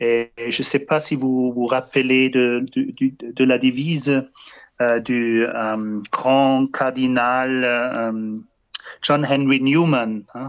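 In a German accent, a man of medium pitch speaks at a very slow pace with monotone, flat intonation. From Germany (Saarland). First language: German (speaking French). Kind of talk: radio interview. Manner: halting.

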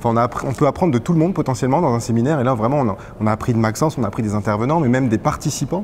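Very fast and at very even loudness, a man speaks at a medium pitch with ordinary pitch variation. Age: 30s. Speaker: property investor. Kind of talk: testimonial.

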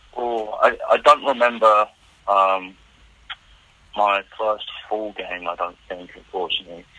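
A man speaks with a British accent in a fairly low pitch and fairly even intonation. His loudness swings widely, and he leaves long, frequent pauses. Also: fairly slow pace. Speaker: ice hockey referee. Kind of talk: interview.

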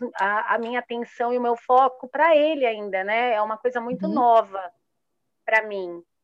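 Fairly high in pitch with ordinary pitch variation, a woman talks in an ordinary speaking voice. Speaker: coaching student. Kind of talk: online class discussion. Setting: video call. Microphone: phone.

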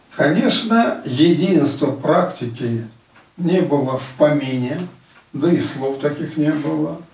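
With noticeable background noise and audible room echo, a man speaks very slowly at a fairly high pitch with ordinary pitch variation. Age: 80s+. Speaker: law professor. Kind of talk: interview. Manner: halting.

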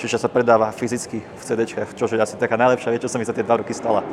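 Over noticeable background noise, a man speaks at a very fast pace and a medium pitch. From Slovakia. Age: 20s. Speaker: student game developer. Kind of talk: interview. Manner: halting.

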